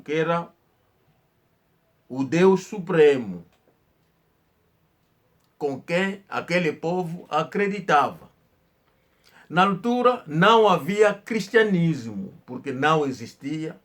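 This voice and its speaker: Um homem que conta história num tom informal, falando de forma enfática, com repetições e hesitações. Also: male voice, a little high, a bit bright. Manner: slow, emphatic storytelling with hesitations and repetitions. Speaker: channel host. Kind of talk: informal history talk.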